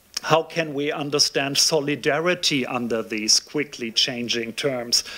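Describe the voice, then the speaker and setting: A fairly high-pitched male voice in a German accent, with ordinary pitch variation and noticeable background noise. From Germany. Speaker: professor, sociologist. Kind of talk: lecture. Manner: halting, many fillers.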